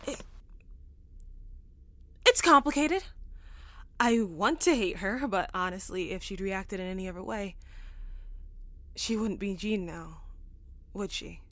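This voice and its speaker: A woman's voice: mid-range voice, expressive, slow pace, long pauses, fairly bright tone, no echo. A woman playing a weary, sardonic, foul-mouthed space adventurer in naturalistic audio drama dialogue, wry and a little hesitant. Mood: rueful, confiding.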